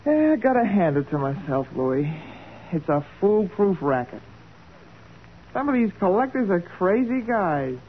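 A woman's voice: medium pitch, big pitch swings, unhurried. A woman playing a hard-boiled, cocky gangster boss with a brash, slangy American delivery in a 1940s radio crime drama. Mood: smug, scheming. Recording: scratchy, narrow-band 1940s radio recording.

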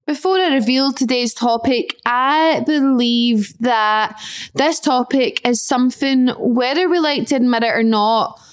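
Higher-voiced woman podcasting in an echoey flat. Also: a little slow, smooth. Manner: chatty, emphatic repetition. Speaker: podcast host. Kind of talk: casual solo podcast monologue. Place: indoors, small echoey flat.

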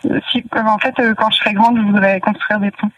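A woman from northern France, a guest in a casual interview, talking hesitantly with many pauses and fillers. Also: medium pitch, steady tone, fairly bright tone, recorded from a distance, dull audio.

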